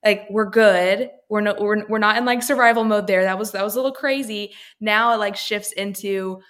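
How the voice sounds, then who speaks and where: A woman's voice: medium pitch, fairly even intonation, moderate pace, a bit bright. A young woman co-hosts a casual chat podcast. She talks in an encouraging, supportive way. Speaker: podcast co-host.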